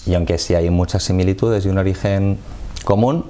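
A man, a football coach explaining his sport in a measured way during a TV studio interview on a lapel mic. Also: low-pitched, fairly even intonation, mellow, a little hiss or hum. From Madrid, Spain. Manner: measured, explanatory, gestures with hands.

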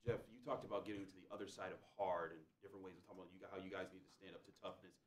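Male sports reporter, low register, extremely quick delivery, press conference questioning. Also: fairly even intonation.

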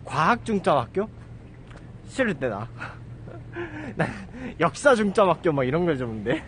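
A man's voice: high-pitched, wildly swooping pitch, unhurried, a bit bright. Chatty guy livestreaming on a walk, phone at arm's length, voice jumps up and down a lot, faint street noise. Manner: chatty, rambling, self-mocking asides. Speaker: live streamer. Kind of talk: casual walking livestream chat. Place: outdoors on a residential street. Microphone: handheld phone at arm's length.

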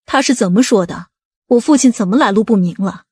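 A woman's voice: mid-range voice, a little fast, a little mellow, husky, dry recording, clean studio sound, close to an everyday voice. A woman playing an imperious, commanding aunt from a powerful family in an audiobook drama. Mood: indignant, demanding. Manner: commanding, demanding.

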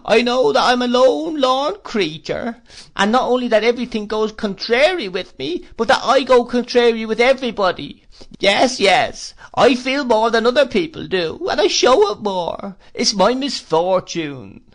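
A man's voice: extremely high pitch, expressive, normal speed, fairly bright tone, pitched above the performer's own voice, full character voice. A man reading aloud voices a tearful, self-pitying older widow who laments in a plaintive, wailing way. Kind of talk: audiobook character voice.

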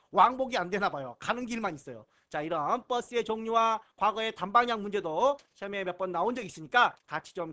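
A man's voice: high-pitched, pushed and bright. A man giving a recorded exam-prep lecture on computer basics, repeating key terms and slipping jokey asides and puns between explanations. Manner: repeats key terms, often starting lines with "자". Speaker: computer certification instructor.

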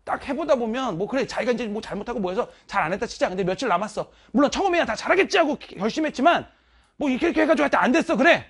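Woman math teacher, blunt pep talk, husky voice, animated swings in pitch. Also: rapid-fire. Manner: blunt, emphatic, chatty, scolding banter. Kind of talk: casual motivational talk to students.

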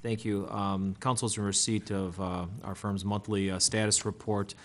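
Deep flat-voiced city attorney. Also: male voice, moderate pace, a little hiss or hum. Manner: formal, heavy with uhs. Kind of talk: council meeting report. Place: city council chamber.

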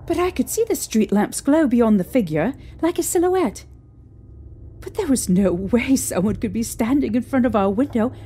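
A woman acting a frightened young mother, high voice. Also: a little mellow, breathy edge, full character voice. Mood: shaken, haunted. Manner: halting, emotional storytelling with trembling pauses. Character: frightened young British mother recounting a haunting. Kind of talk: audio drama monologue. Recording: eerie music behind.

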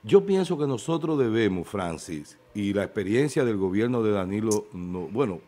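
A man on a TV studio panel, talking into a desk microphone and working out his points with pauses and restarts. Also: fairly low pitch, animated, dark tone. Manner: hesitant, restarting mid-thought. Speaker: panel guest. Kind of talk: political panel debate.

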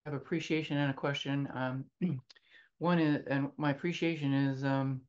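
A man asks the panel a question over a video call, hesitant and using many fillers. His voice stays flat. The line sounds dull and lo-fi. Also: medium pitch, moderate pace. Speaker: participant.

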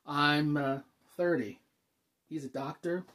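A man acting out a dramatic monologue as an anxious gay man of thirty who rambles nervously and haltingly to a friend. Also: a little high, steady tone, a bit bright. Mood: wistful, uneasy. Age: 30s. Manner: halting, nervous, sighs and stammers.

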